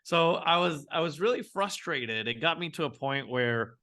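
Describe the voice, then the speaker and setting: A man, telling his business story as a guest in a casual interview, animated and often restarting his sentences. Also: on the high side, moderate pace. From Venezuela. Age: 40s. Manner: animated, frequent restarts, acts out his own thoughts. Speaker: guest entrepreneur.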